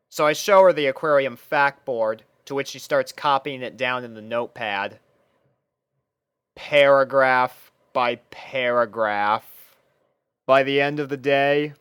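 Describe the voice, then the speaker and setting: Clear-voiced man narrating fan fiction, dry recording. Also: medium pitch, fairly bright tone, dry recording. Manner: conversational first-person storytelling with acted dialogue lines. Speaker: narrator and reader playing the first-person lead.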